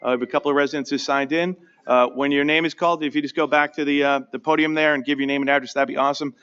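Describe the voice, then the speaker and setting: A man chairing a town board meeting as supervisor, talking briskly, informally and in a friendly way, in a town hall meeting room. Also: a little high, fairly even intonation, a bit bright, smooth. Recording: dull lo-fi livestream audio.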